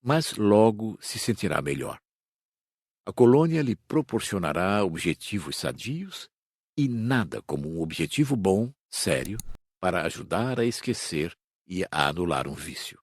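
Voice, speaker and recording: A man's voice: deep voice, big pitch swings, measured pace, slightly rough, dry recording, full character voice. A man playing a reassuring spirit mentor who consoles and instructs in an audiobook. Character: Raimundo, reassuring male mentor in the spirit world. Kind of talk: audiobook character reading.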